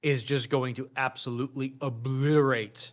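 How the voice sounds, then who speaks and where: A man's voice: mid-range voice, steady tone, moderate pace, slight background noise. An American man chatting casually as a panelist, with a matter-of-fact, slightly grumbling way of talking. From United States. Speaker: panelist on a live show. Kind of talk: casual chat.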